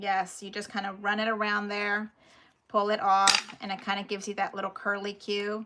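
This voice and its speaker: Noticeable background noise sits behind a woman with an American accent who speaks at medium pitch in a monotone, flat intonation. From Texas, Houston. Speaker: crafting channel host. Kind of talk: live craft tutorial on video call. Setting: live video call. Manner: halting, many fillers.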